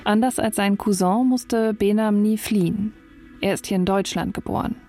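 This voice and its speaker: A woman narrates a documentary report in a middle-pitched voice. Her delivery is calm and measured, as if reading a script. Quiet music runs behind her. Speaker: journalist narrator. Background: faint music.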